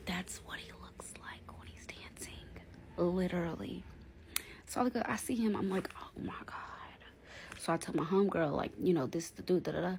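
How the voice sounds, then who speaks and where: A woman whispering at a fairly quick pace, with big swings in loudness and long, frequent pauses. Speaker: storytime vlogger. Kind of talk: casual storytelling. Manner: animated.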